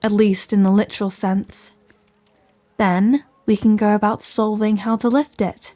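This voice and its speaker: A woman's voice: mid-range voice, fairly even intonation, measured pace, warm tone, natural voice. A woman playing a capable, caring scholarly wizard in an ASMR fantasy roleplay, speaking to the listener in an articulate, bookish, reassuring way. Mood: thoughtful, resolute. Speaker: audio roleplay performer.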